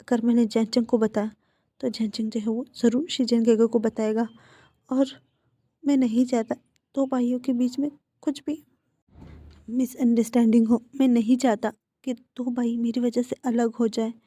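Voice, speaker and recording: A woman's voice: a little high, level tone, normal speed, mellow, no room sound, close to an everyday voice. Woman doing a young man, upset, pleading, agitated, storybook voice, dry sound. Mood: shaken pleading.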